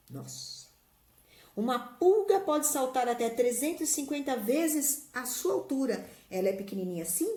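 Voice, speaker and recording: A woman with a mid-range, dark-toned voice teaches spelling rules step by step, patiently, in a recorded remote lesson. She speaks with a Brazilian Portuguese accent, and the audio has a roomy quality.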